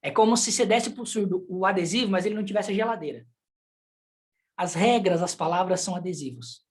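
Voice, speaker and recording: A man's voice: high-pitched, brisk. A man with a Brazilian Portuguese accent teaching a sign language class in a conversational way, often checking in with the students through rhetorical questions. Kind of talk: live online class.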